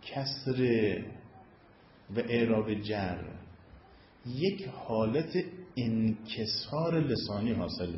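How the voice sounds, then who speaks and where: A man explaining Arabic grammar as a religious teacher, in a patient lecturing manner, often lifting and dropping his voice for emphasis. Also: a little hiss or hum. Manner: explanatory, rises and falls in pitch for emphasis. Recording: echoey room, dull lo-fi sound.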